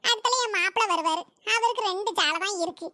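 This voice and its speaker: A woman does cartoon comedy voice acting as a shrill, nosy village housewife who is idle, fussy, and loves gossip. She chatters quickly with frequent exclamations in a sharp tone, with no echo.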